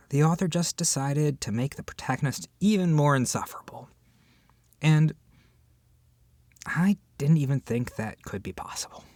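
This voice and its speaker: A voice actor playing an irritated book club member ranting in a one-sided roleplay, exasperated and sarcastic with dramatic pauses. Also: mid-range voice, darkish tone, no room sound, natural voice. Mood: bitter, grudging.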